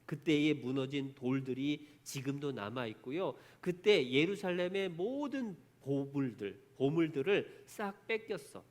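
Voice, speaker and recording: A man teaching an online Bible lesson for children. He keeps asking the kids questions and then answering them himself, telling the story with strong emphasis. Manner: emphatic storytelling with big pitch swings.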